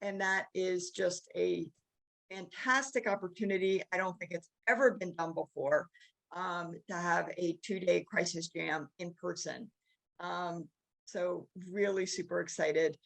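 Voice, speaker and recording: A woman hosting a show in an enthusiastic, casual way, often pausing with ums. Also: fairly low pitch, fairly even intonation, vocal fry, fairly bright tone, poor audio. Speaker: show host. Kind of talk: casual chat.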